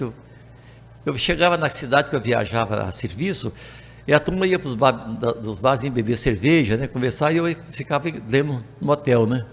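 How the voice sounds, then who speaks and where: An older Brazilian man gives a spiritist talk in a reverberant hall. His voice climbs and falls with lively pitch and has a gravelly edge as he acts out the dialogue of his stories. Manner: animated, acts out dialogue with voice changes. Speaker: spiritist lecturer. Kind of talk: storytelling talk to a spiritist group.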